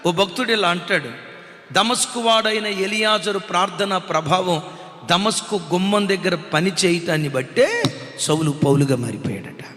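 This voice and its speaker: A man's voice: high-pitched, moderate pace, fairly bright tone, roomy sound, long reverb tail. A man preaching a sermon as pastor, with impassioned delivery and frequent rhetorical questions to the listeners.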